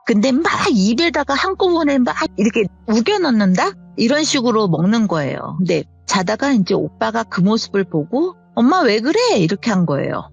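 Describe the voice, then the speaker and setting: A woman in her fifties tells a true horror story from her childhood in an easy, conversational way, slipping into the voices of her family as she goes. Her pitch rises and falls a lot and has a gravelly edge to it. The recording sounds slightly dull, with faint music underneath. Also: very animated, moderate pace, few pauses. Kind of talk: first-person horror story telling.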